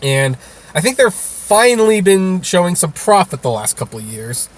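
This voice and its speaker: A man being interviewed, talking casually and explaining things in a halting way with repeated words. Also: high-pitched, big pitch swings. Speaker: interview guest, rideshare video creator.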